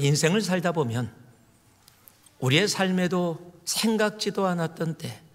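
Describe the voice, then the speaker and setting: A middle-aged man, a senior pastor, preaching a sermon in a storytelling way, his pitch and volume rising and falling widely. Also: a bit bright. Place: church sanctuary. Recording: long hall reverb.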